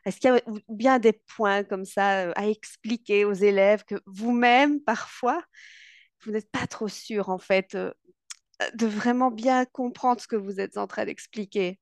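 A woman hosting a casual interview, friendly and quick to agree and laugh. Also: mid-range voice, no echo, studio quality. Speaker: host, interviewer.

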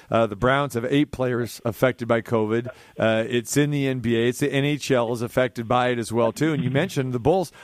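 A man's voice: a little high, no echo. A man hosting a sports radio show, chatting casually and teasing his guest, with many restarts.

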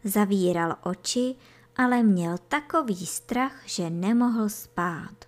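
A woman storyteller reading a children's book aloud in a calm, measured way. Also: medium pitch.

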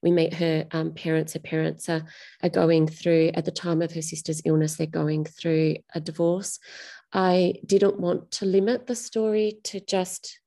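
A woman's voice: deep voice, level tone, a little slow, vocal fry, mellow. A middle-aged woman, an author talking through her novel in an interview, thoughtful and often restarting her phrases. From Australia. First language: Greek.

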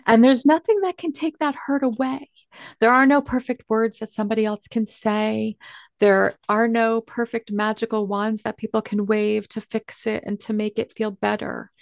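A woman's voice: on the high side, steady tone, moderate pace, vocal fry, dry recording, clean studio sound. A woman speaking candidly and emotionally in a conversation, earnest and emphatic.

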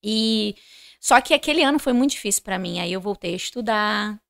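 A woman's voice: mid-range voice, lively intonation, brisk, gravelly, a bit bright. A woman, a podcast guest telling her faith testimony, who acts out the dialogue she quotes and speaks straight to the listeners. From Rio de Janeiro, Brazil. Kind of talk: personal faith testimony in conversation.

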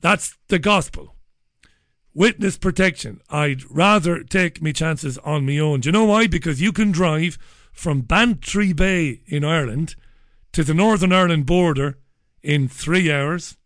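A hoarse man hosts a talk radio show, sounding chesty as he loses his voice. He jokes and chats his way through listener messages, answering each one. His voice sits a little high for a man and is recorded dry and close. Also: a little slow, fairly bright tone, no echo. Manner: joking, chatty, reads messages aloud and answers them. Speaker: radio host.

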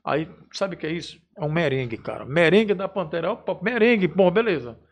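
A man's voice: on the high side, fairly quick, gravelly. A man, a band musician telling stories in a casual, slangy chat. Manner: animated storyteller, informal slang.

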